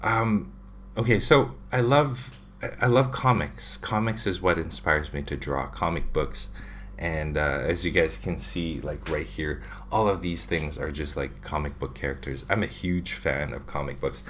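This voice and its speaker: A man's voice: extremely low pitch, measured pace, fairly bright tone, a little hiss or hum. A man in his thirties from the Philippines, hosting a casual livestream from his home room and answering viewer questions with lots of fillers. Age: 30s. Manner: chatty, reads viewer questions aloud with many fillers. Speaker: livestream host, drawing channel. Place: home room with shelves of figures. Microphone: webcam at desk.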